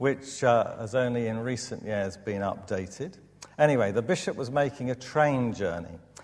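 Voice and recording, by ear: A natural voice reading aloud, its pitch shifting an ordinary amount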